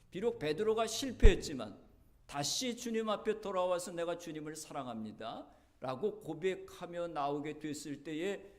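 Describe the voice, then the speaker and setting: A male pastor preaching a sermon in a church, telling the story earnestly, his voice rising and dropping. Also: fairly high pitch. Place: church sanctuary.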